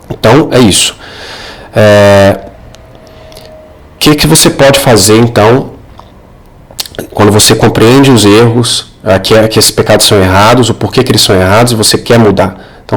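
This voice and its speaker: A man with a Brazilian accent giving informal religious advice in an earnest, didactic monologue, speaking directly to the listener. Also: medium pitch. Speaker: Catholic advice video creator.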